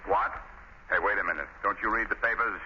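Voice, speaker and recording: Guy as grumpy cop boss in an old radio show, lowish voice, brusque, muffled sound. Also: brisk, lightly acted. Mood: brusque, smug. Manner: brusque, blustering. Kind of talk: 1930s radio drama acting. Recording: muffled, faintly noisy 1930s radio recording.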